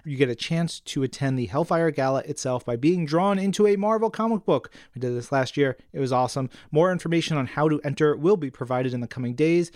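Upbeat guy cohosting a podcast, highish voice, playful promo reads, very dry sound. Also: a little fast, few pauses, a little mellow, no echo. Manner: enthusiastic, playful. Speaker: podcast co-host. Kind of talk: upbeat promotional announcing and banter.

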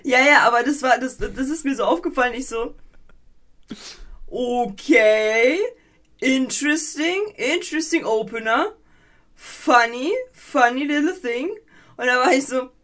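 A woman co-hosting a podcast in casual chat, animated and rambling, with many fillers and a playfully mocking edge. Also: fairly high pitch. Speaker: podcast co-host.

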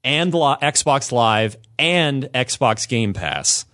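A man hosting a casual gaming podcast, talking with his co-hosts and often halting and restarting mid-sentence. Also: medium pitch, no room sound, clean studio sound. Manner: somber and halting, then lively and animated. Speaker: podcast host.

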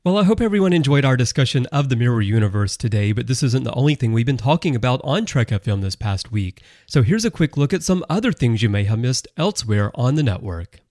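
A man's voice: mid-range voice, big pitch swings, fast talker, hardly any pauses, darkish tone, no echo. A man hosting a podcast, wrapping up an interview in a friendly, upbeat way. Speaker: podcast host.

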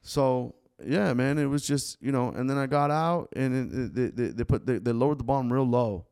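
A man's voice: mid-range voice, normal speed, vocal fry, a little mellow, smooth. A native Spanish speaker from South Florida, a man in his thirties, talks through a story in a loose, rambling way. He leans on slang, restarts his sentences and drops "bro" at the end of most lines, with a mid-range voice. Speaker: podcast guest. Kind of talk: casual storytelling in a podcast conversation.

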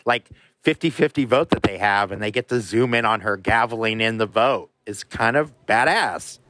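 Man, lower voice, relaxed slangy interviewee. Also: moderate pace, no room sound. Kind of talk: casual interview talk.

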